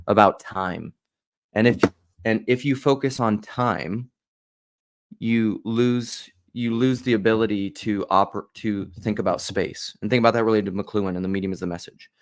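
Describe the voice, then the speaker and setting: A man giving casual video commentary and reading aloud, rambling and jumping between ideas. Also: lowish voice.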